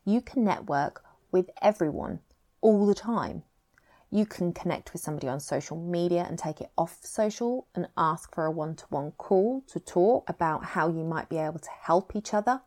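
A woman with an English accent hosting a scripted advice podcast in a tidy, measured way, setting out points clearly. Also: lowish voice, expressive, warm tone. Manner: tidy, measured, numbered-tip delivery. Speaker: podcast host.

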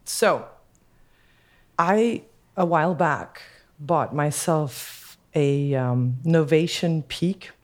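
A woman music producer with a deep, dark voice, chatting as a podcast guest, enthusiastic and hesitant with lots of fillers and restarts. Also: very slow. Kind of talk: casual podcast chat.

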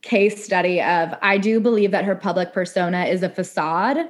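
A woman's voice: lowish voice, steady tone, moderate pace. A woman co-hosting a casual podcast chat, wry and reflective, often giggling. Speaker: podcast co-host.

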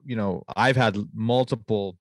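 A man's voice: fairly low pitch, fairly even intonation, measured pace, no echo, clean studio sound. A man hosting an interview, paraphrasing his guest with lots of "you know" and "like". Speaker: podcast host. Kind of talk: casual interview conversation.

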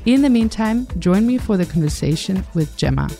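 A woman's voice: mid-range voice, animated, a little fast, creaky, over music. A woman hosting a podcast, reading a scripted intro and then asking a guest questions in a studio. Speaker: podcast host. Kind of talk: podcast interview. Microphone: studio microphone.

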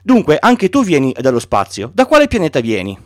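Storybook little prince, earnest boy asking innocent questions, a man putting him on, slightly high. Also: wildly swooping pitch, a little fast, dry recording, clean studio sound. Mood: curious.

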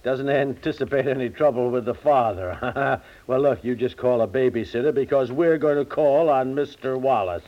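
A man's voice: medium pitch, moderate pace, few pauses, natural voice. An actor playing a middle-aged American husband and protective father, indignant and sputtering as he repeats himself, in 1950s radio comedy style. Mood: outraged. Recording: muffled 1950s radio broadcast recording.

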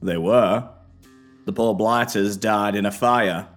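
A man's voice: fairly low pitch, steady tone, faint music behind. A man voicing an arrogant, short-tempered laborer with a boisterous, cocky manner. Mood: gossipy. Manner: cocky, boisterous, quick to anger.

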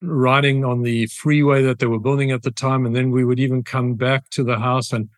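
A man's voice: mid-range voice, flat delivery, brisk, no room sound, clean studio sound. A man with a South African accent, a guest architect on an interview podcast, telling stories in an easy, reflective way. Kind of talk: casual interview.

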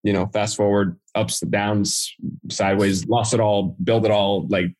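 He speaks at a measured pace with a fairly low pitch, fairly even intonation, and a darkish tone. As a guest on a podcast, this Dominican marketing entrepreneur, whose native language is Spanish, casually tells his story in a Dominican accent.

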